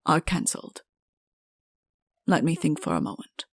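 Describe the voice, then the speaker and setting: A woman's voice: sits low, sing-song, measured pace, creaky, breathy edge, no echo, studio quality, voice pushed down, exaggerated voice. A woman voicing a pompous, stern, irritable middle-aged king in a comic fairy-tale audiobook, with an imperious, curt manner. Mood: cold.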